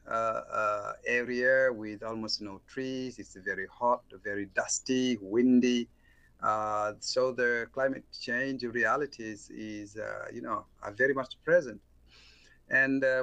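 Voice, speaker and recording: A middle-aged man from Senegal, a professor and former mayor, answering interview questions over a call, slow and hesitant, with many fillers. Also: on the low side, gravelly, bright, forceful tone.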